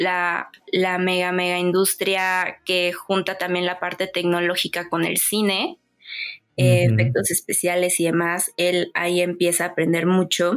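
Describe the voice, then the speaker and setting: A normal speaking voice from a woman, fairly low in pitch, fairly slow, with fairly even intonation and very even loudness. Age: 20s. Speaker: designer. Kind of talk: casual chat.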